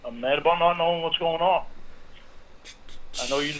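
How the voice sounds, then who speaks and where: A man's voice: on the high side, moderate pace, fairly bright tone, slight background noise. A man calling in on speakerphone, irritated and repeatedly asking whether he can be heard. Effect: heard over a phone on speakerphone. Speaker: caller. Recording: tinny phone line.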